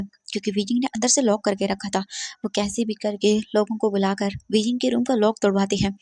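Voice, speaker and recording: A woman's voice: mid-range voice, a little mellow, no room sound, studio quality. A woman telling a story in a casual, conversational narrating style, mixing in English words.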